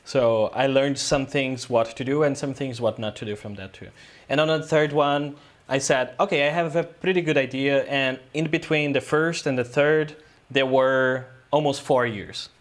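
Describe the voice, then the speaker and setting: A man's voice: mid-range voice, fairly even intonation, normal speed, hardly any pauses. Man telling a story. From Brazil. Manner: loose, rambling storytelling with frequent "uh" and "um". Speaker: guest filmmaker. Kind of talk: casual podcast interview.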